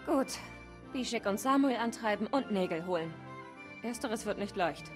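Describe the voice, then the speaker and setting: A woman's voice: medium pitch, animated, normal speed, close to an everyday voice. An actress voicing a dutiful young village woman in a medieval video game, firm with her lazy brother. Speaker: game character. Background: game music.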